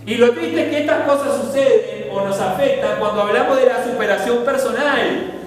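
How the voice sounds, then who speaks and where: A man with a Rioplatense Spanish accent preaching a sermon as a pastor, animated, acting out little dialogues with big swings in his voice. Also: very high-pitched, normal speed. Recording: echoey hall, voice from far off, faint music.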